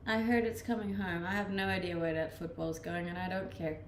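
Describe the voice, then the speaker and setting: A woman's voice: fairly low pitch, little pitch movement, brisk. A young woman from Denmark with a slight Danish accent mixed from living abroad, chatting casually with her viewers as she reads their comments. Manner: laid-back, chatty, often laughing. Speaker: streamer. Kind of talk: casual chat reading live comments. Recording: echoey room, faint ambient noise.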